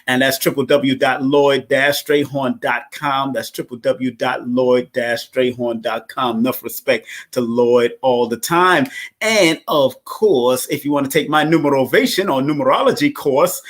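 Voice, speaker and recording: Male host, slightly high voice, energetic, repetitive promo patter, live show intro. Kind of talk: livestream show intro and sponsor shout-outs. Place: Florida, away from home base.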